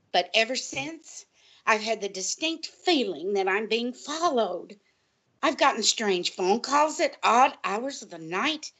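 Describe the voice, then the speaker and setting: Distraught female librarian, high-pitched, earnest, paranoid, dramatic pleading, halting phrasing, audio drama. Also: a bit bright, full character voice. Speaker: guest on a college radio show.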